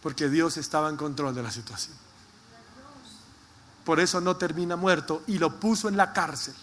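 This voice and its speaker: High, bright-voiced male pastor preaching. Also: a little hiss or hum. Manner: preaches with emphatic repetition, slowing for scripture. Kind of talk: sermon.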